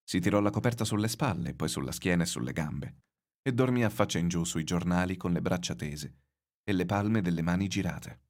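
A man reading a novel aloud in measured, expressive literary narration. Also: low voice.

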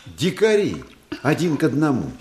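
An actor playing an opinionated, sceptical villager in a radio drama, with a wry, doubting manner. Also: male voice, on the high side, huge pitch swings, normal speed, breathy edge, exaggerated voice. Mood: disdainful. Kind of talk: Russian radio drama acting. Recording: faint noise, dishes clinking.

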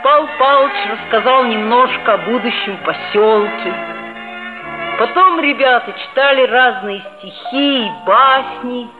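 A woman's voice: medium pitch, close to an everyday voice. A woman playing a chatty, teasing red-haired schoolboy who narrates, in 1960s radio drama style. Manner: teasing, needling questions. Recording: tinny old 1960s radio recording.

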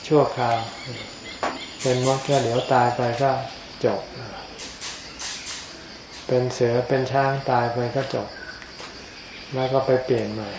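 Male monk, low-key murmur, very even pitch, slow Dhamma talk, short phrases with pauses, dull muffled recording. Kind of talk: informal Dhamma sermon. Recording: echoey, dull lo-fi, noisy with insects.

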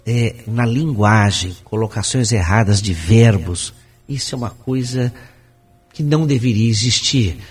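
A man hosting a radio discussion, explaining in a measured way and sometimes reading aloud with careful articulation. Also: mid-range voice, a little mellow, breathy edge. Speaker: program host.

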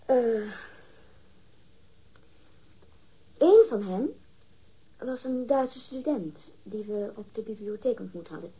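A woman's voice: on the high side, animated, unhurried, mellow, slightly rough, heavily acted. An actress in a radio drama playing a catty, defensive woman witness, disdainful and emphatic as she gossips. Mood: guarded. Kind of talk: acted radio drama dialogue. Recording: dull, muffled lo-fi radio recording.

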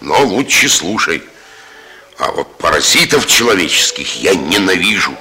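A man's voice: sits low, big pitch swings, moderate pace, sharp tone, slightly rough, faint music behind, exaggerated voice. An actor playing a blunt, folksy working man who lectures about honest labour in 1960s radio drama style. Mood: preachy.

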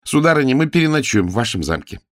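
A man voicing a serious, stubborn young girl who speaks quietly and firmly. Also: medium pitch, big pitch swings, quick pace, dry recording, clean studio sound, voice pushed up. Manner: quiet and firm.

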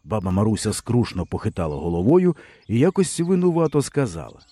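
A man reading a first-person novel aloud with expressive storytelling. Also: lowish voice, a little fast, dry recording. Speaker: audiobook reader. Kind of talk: audiobook narration.

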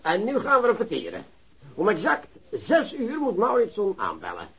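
A pompous, excitable police chief in a radio play. His high, rough-edged voice swoops about as he gives orders with great self-satisfaction, on a muffled recording. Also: normal speed, full character voice. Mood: self-important. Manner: pompous, commanding. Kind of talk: Dutch radio drama acting.

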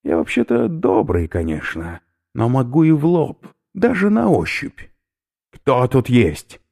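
A man voicing a brash, rough young male skinhead who talks loudly and bluntly in slang. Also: mid-range voice, sing-song, slow, voice pushed up. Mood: shouting. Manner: loud, blunt, slangy, impatient.

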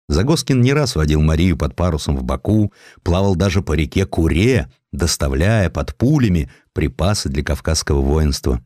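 A man narrating a historical story in an expressive, theatrical literary style. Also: very deep voice, dry recording, clean studio sound. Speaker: narrator, audiobook reader.

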